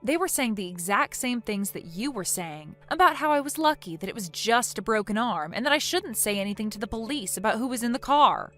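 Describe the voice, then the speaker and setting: A woman voicing a calm, resolute young woman who speaks in a cold, measured, firm way. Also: fairly high pitch, soft background music.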